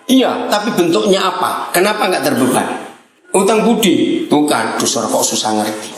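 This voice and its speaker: A man preaching a sermon, blunt and animated, firing rhetorical questions at his listeners. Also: on the high side. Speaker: pastor. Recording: very echoey hall.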